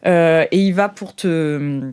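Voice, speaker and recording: A woman's voice: sits low, slow pace, darkish tone, clean tone. Woman running an improvised tabletop game. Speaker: game master. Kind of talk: improvised tabletop roleplay narration.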